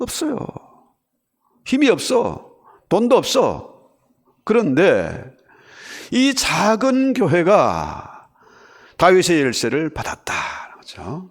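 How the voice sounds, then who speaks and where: In a very clean recording with a silent background, a man with a high pitch talks at a very slow pace, his pitch swinging very widely between long, frequent pauses. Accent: Gyeongsang. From Gyeongsang province, South Korea. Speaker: pastor. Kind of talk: sermon.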